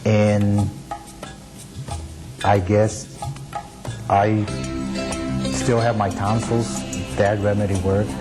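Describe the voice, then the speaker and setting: Halting, flat-toned voice of a man from Texas. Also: lowish voice, over music. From Texas, United States. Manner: halting, hesitant. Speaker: interviewee sharing family experience. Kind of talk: personal recollection.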